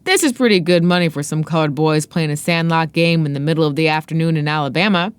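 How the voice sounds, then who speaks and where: A woman's voice: low voice, quick pace, clean tone, no room sound, natural voice. A woman voicing a grinning, blustering fat white promoter with a falsely jovial drawl. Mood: condescending.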